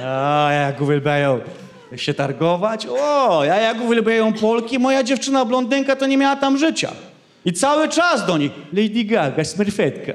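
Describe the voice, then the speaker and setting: In a Polish accent, a man speaks at a moderate pace with a high pitch and very even loudness. His tone is animated, with very wide pitch swings. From Poland. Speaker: stand-up comedian. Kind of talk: stand-up comedy routine with audience. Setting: stage with audience. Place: stage. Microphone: handheld.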